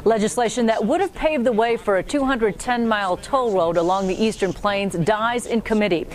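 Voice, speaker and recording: Over music, an American woman reads a local newscast at normal speed as the TV anchor, her delivery scripted, formal, and polished. There's clear background noise with a low rumble.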